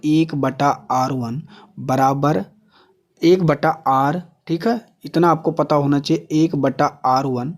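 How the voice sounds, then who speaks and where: A man's voice: high-pitched, darkish tone. A man teaching a lesson step by step, in an instructional way, often asking questions and answering them himself. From India. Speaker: exam coaching teacher. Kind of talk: step-by-step maths and physics lesson.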